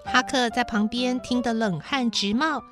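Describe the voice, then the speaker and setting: A woman storyteller narrating a children's story in a gentle, expressive reading. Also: fairly high pitch, normal speed, soft background music.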